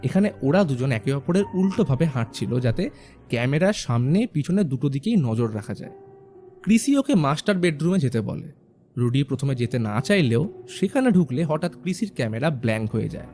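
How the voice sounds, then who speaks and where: A man narrating a horror film recap in a hushed, suspenseful storytelling manner. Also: mid-range voice, very animated, fairly quick. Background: faint background music.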